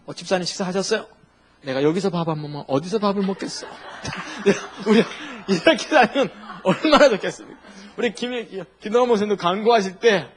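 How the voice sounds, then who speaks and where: Husky, lively middle-aged male pastor. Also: high-pitched. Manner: animated, conversational preaching with rhetorical questions and laughter. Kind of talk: sermon.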